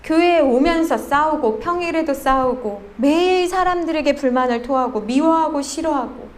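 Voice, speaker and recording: A young woman preaching a sermon who asks the congregation questions and acts out the voices of the people she quotes. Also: sits high.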